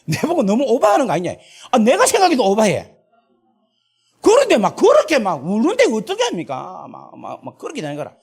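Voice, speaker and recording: A middle-aged male pastor with a Gyeongsang Korean accent, preaching an emotional, animated sermon full of repeated fillers. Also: very high-pitched, husky.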